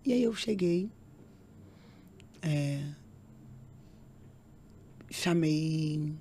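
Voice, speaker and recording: As a podcast guest, a woman shares an emotional testimony of faith in a slightly low, mellow voice with lively intonation and drawn-out words. She repeats phrases and imitates the voices of people in her story, over a faint background hiss.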